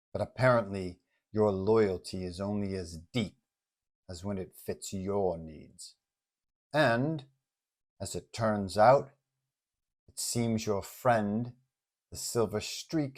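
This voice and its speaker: A man voicing a cold, commanding villainess crime boss in an audio storybook, speaking formally and deliberately with condescension. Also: fairly low pitch, expressive, darkish tone, voice pushed down. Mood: cold disappointment.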